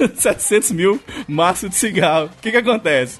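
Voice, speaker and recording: At a moderate pace, a man talks in a high pitch. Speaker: podcast co-host. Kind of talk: casual chat.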